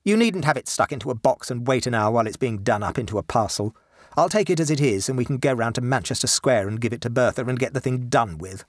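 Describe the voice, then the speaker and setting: A man's voice: mid-range voice, expressive, quick pace, no room sound, studio quality, natural voice. A man voicing a sulky, spoiled little rich boy who speaks with scorn, in a storybook reading.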